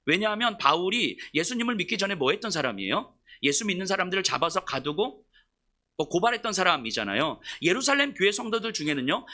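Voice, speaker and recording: A male pastor preaches with a very bright, high voice. His pitch rises and falls widely as he tells the story and asks his listeners questions. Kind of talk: sermon.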